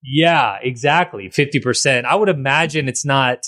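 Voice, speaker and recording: In studio-quality audio with no echo, a man hosts a podcast at a moderate pace, his mid-range voice fairly bright. The conversation is casual and rambling, full of restarts and repeated words.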